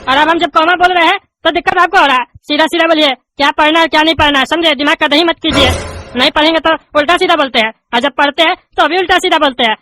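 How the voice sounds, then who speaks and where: Brief: woman doing a bright-voiced, quarrelsome bald male student, flavour, in a comedy skit. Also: high-pitched, quick pace, dry recording. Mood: argumentative. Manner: argumentative, stumbling through reading. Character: cheeky bald male student who argues back.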